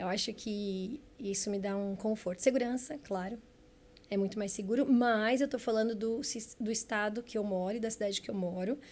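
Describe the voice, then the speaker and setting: A woman's fairly high-pitched voice with a dark, mellow tone, fairly even intonation and a fairly quick pace. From Brazil. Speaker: physiotherapist. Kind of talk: interview.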